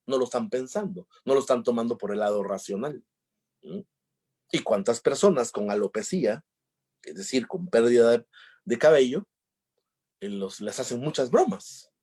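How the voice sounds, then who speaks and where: Giving a conference talk on emotional intelligence, this man speaks at a moderate pace in an expressive, darkish mid-range voice. He's a playful storyteller who performs the conversations in his anecdotes.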